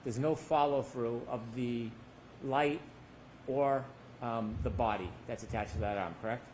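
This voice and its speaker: A man's voice: medium pitch, a little slow, darkish tone, slight background noise. A man working as a defense attorney, cross-examining a witness with pointed leading questions that end in tags, heard in a courtroom recording.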